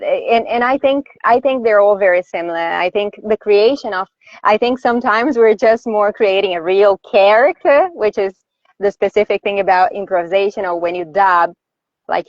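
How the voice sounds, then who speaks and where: A woman's voice: medium pitch, moderate pace, no room sound, muffled recording. A woman from Brazil, a voice actor, answering interview questions in a thoughtful, easy-going way. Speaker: voice actor guest. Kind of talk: live online interview.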